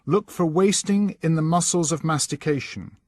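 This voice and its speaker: A man reading scripted instructional narration in a measured, instructing manner. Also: fairly high pitch, no echo. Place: dry voice-over recording.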